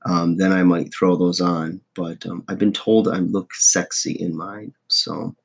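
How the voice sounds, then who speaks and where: A hoarse, husky man in his forties giving a casual, folksy motivational monologue as a host. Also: deep voice, flat delivery, unhurried. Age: 40s. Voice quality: husky, rough. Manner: folksy, self-deprecating, checks in with "okay?" and "right?". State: hoarse voice, throat-clearing. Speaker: host of a motivational video podcast.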